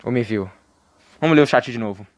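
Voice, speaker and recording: A medium-pitched, fairly quick voice comes through a dry, studio-quality recording. It belongs to a young adult man with a Brazilian Portuguese accent streaming a horror game, kidding around with chat and crying out in panic at scary moments.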